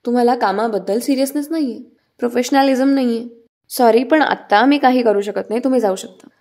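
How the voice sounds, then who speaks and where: A woman's voice: on the high side, fairly quick, darkish tone, close to an everyday voice. A woman voicing a strict young male hospital boss who curtly scolds an applicant for coming late. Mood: stern. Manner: curt, scolding.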